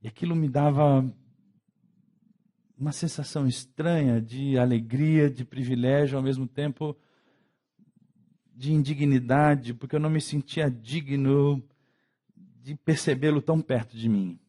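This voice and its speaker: A man with a Brazilian Portuguese accent, a pastor preaching a conversational sermon in church, acting out quick dialogues as he goes. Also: mid-range voice, steady tone, warm tone.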